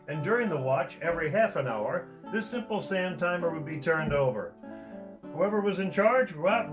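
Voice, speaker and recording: A man's voice: fairly high pitch, rough recording. A man playing a Renaissance privateer surgeon, giving a theatrical navigation lesson in mock olde-time speech at a faire demonstration. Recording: loud plucked guitar music behind.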